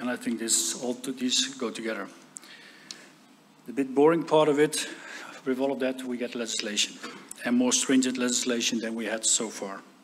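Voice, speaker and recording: With a Dutch accent, a man talks at a moderate pace and medium pitch over noticeable background noise. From Netherlands. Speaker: industry association director. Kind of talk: conference speech. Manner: halting.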